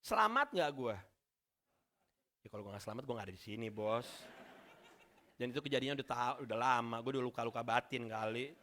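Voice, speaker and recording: A man preaching a sermon in a church, telling stories with slang and bursts of shouted reenactment. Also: medium pitch, expressive, fast talker, long pauses. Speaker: pastor.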